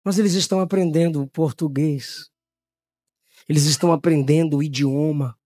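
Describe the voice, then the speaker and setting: A man from Brazil preaching a Pentecostal sermon, shouting in high bursts and then dropping to low, quiet tones. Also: fairly even intonation, moderate pace, no room sound, clean studio sound.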